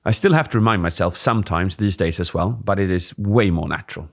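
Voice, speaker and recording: A deep, gravelly-voiced man, a podcast co-host and presentation coach, talks through a presentation tip in casual chat, explaining steadily and unhurriedly with some stretched words, yet with a brisk edge. He speaks into a boom-arm studio mic in a dim studio lit by warm lamps.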